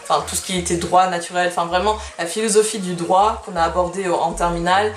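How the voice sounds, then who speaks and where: A woman's voice: lowish voice, fairly even intonation, quick pace, a little hiss or hum. A woman in her early twenties, not a native French speaker, giving casual, informal advice to camera with emphatic repetitions. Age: early 20s. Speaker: student vlogger giving study advice. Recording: echoey room.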